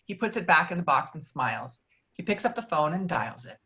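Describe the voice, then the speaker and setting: A woman's voice: low-pitched, very animated, brisk, sharp tone. A woman reading stage directions as the narrator of a virtual table read. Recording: dull, lo-fi online call.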